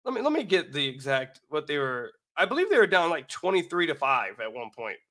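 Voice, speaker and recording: An American sports podcaster covers basketball on his own and does a sponsor read, his voice somewhat raggedy because he is sick. Pitched on the high side with a fairly bright tone, he talks a little fast in a sing-song, emphatic way and repeats phrases.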